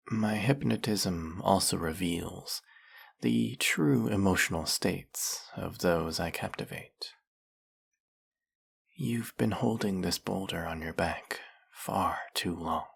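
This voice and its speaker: An actor playing a snake-headed male villain in an audio roleplay, speaking in a soft, formal, measured way. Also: low voice, vocal fry, breathy edge, full character voice. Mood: gentle, soothing.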